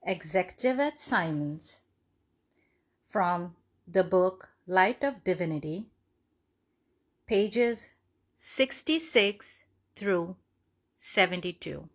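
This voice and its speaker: A woman reads a devotional testimony aloud in measured, deliberate phrases. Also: fairly low pitch, animated. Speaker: devotional reader.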